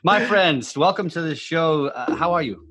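A man's voice: fairly high pitch, expressive, moderate pace, fairly bright tone, no room sound. A man hosting a podcast who gives an enthusiastic welcome and often repeats words as he talks. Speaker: podcast host. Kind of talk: podcast interview.

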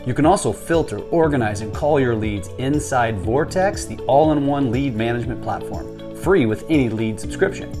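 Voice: medium pitch, moderate pace, hardly any pauses. Ad announcer over guitar music. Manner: smooth, even promotional read. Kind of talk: read sponsor ad.

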